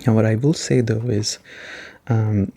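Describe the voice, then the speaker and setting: Man, mellow low-brightness tone, soft-spoken, gentle, unscripted ASMR gaming chat, reviewer. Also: fairly even intonation, measured pace, creaky. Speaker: gaming reviewer and video host.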